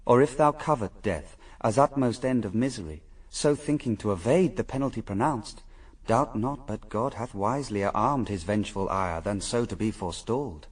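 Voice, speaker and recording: An actor playing an anguished but reasoning husband, speaking formal verse gravely in a classical radio drama. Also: male voice, lowish voice, animated, moderate pace, distant mic, poor audio. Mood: grave, urging. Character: Adam, the first man, anguished yet reasoning husband.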